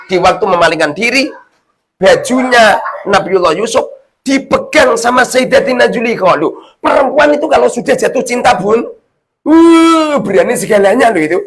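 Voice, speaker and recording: A man, a preacher telling a religious story in a lecture to women, animated and jokey, swinging between loud and hushed lines and often checking in with his listeners. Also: very high voice, normal speed. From Indonesia. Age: 40s. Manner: addresses the audience often with tag questions. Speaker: Islamic preacher.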